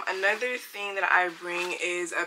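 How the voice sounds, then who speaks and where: Over light background noise, a woman with a fairly low pitch and a bright, sharp tone speaks at a fairly slow pace. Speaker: lifestyle vlogger. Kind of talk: casual vlog chat. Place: home room. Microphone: camera far.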